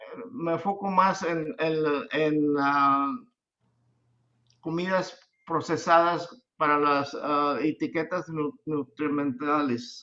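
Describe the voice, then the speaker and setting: The speaker talks at a very slow pace with a non-native accent and ordinary pitch variation. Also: man. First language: English (speaking Spanish). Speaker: customs broker and consultant. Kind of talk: webinar presentation. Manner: halting.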